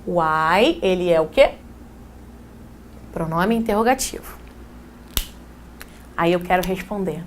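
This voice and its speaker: A woman's voice: lowish voice, slow pace, pauses often, slight background noise. A woman giving a casual exam-prep English lesson, talking straight to her students. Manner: casual, chatty teacher who addresses students directly. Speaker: English teacher.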